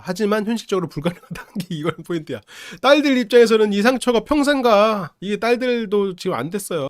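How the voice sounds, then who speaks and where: A man's voice: fairly high pitch, no echo, clean studio sound. A male counselor giving casual, analytical commentary that he explains conversationally and punctuates with rhetorical questions. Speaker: psychology counselor and show reviewer.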